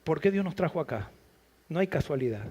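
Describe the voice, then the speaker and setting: A man with a high voice preaching a sermon. He builds his points through repeated phrases and rising emphasis, and he also slows into quieter, reflective stretches. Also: expressive, husky, muffled recording. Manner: quieter, reflective and slow in the closing appeal.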